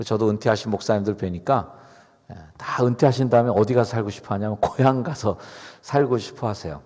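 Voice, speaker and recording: A man's voice: fairly low pitch, brisk, a little mellow. A middle-aged man, a pastor, preaching a sermon in a conversational, chatty way, asking the congregation questions. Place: church sanctuary. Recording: long reverb of a church hall.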